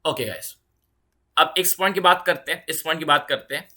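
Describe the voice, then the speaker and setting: Bright-voiced woman physics teacher. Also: sits low. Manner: repeats key phrases, mixes English terms into fast explanation; reassuring, checks in with "ठीक है". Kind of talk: online exam-prep lecture.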